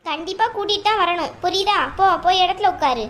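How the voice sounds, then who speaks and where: A woman's voice: very high voice, fast talker, a bit bright. A woman voicing a strict female schoolteacher who scolds her pupils in firm, clipped sentences. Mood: stern. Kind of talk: cartoon voice acting.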